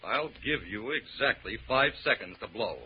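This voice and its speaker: An actor playing a gruff, suspicious male jeweler with something to hide, curt and agitated in old radio melodrama style. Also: mid-range voice, lively intonation, normal speed, noisy background, close to an everyday voice. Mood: hostile, threatening. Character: gruff, jumpy, hostile male crooked jeweler. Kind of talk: 1940s radio melodrama acting. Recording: dull old radio recording.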